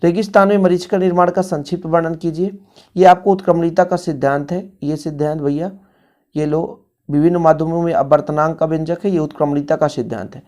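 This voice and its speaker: A man's voice: on the high side, fairly even intonation, quick pace, darkish tone. A male physics teacher, going over exam revision questions in a casual, brotherly tone and talking straight to his students.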